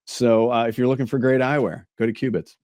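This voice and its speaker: Hoarse, chatty male host, dry sound. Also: mid-range voice, little pitch movement, quick pace, darkish tone, no room sound. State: raspy, slightly hoarse. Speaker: podcast host. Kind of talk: casual interview chat.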